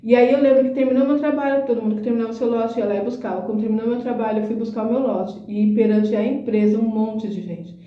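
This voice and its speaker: A woman's voice: fairly high pitch, fairly even intonation, quick pace, hardly any pauses, recorded from a distance. A middle-aged woman hosting a talk, telling an emotional personal testimony and often adding little tag questions. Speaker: host. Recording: roomy echo, dull lo-fi sound.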